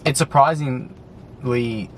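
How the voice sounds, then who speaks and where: A man's voice: mid-range voice, takes it slowly, slight background noise. A young man chatting casually with a friend, candid and rambling, swearing freely. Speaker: guest best friend. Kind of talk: casual chat.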